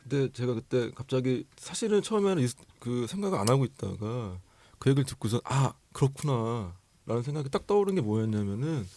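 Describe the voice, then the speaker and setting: A man, a film director, explaining his casting choices in an interview in a measured way. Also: mid-range voice, sing-song, mellow.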